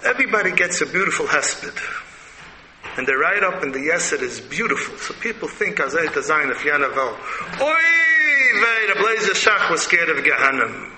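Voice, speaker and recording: A man's voice: a little high, animated, a little fast. A man with a Yiddish-inflected American accent gives an Orthodox Jewish sermon as a rabbi, emphatic and blunt, full of rhetorical questions. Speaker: rabbi giving a religious lecture. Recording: echoey hall with background noise.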